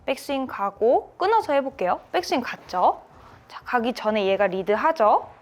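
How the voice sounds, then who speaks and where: Woman golf instructor, hands-on lesson; high, animated delivery, encouraging, shouts sound cues for timing. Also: normal speed, soft background music.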